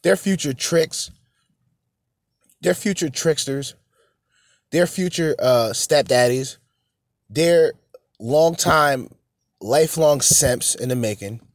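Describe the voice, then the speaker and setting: A man's voice: fairly high pitch, takes it slowly, long pauses, no echo. Blunt, profane man ranting, dry sound. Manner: blunt, profane, slangy, repeats phrases for emphasis. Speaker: solo show host. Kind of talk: casual opinionated monologue.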